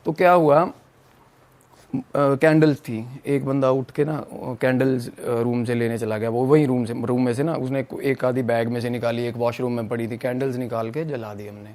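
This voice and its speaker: A man from Punjab, telling a story as a podcast guest in an animated way, mixing in English phrases. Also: mid-range voice, normal speed. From Punjab, India. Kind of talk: casual storytelling.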